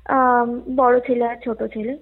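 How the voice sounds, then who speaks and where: A woman's voice: on the high side, level tone, unhurried. A woman voicing an earnest, puzzled mother of two sons who answers plainly in a ghost story. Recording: muffled lo-fi call with music underneath.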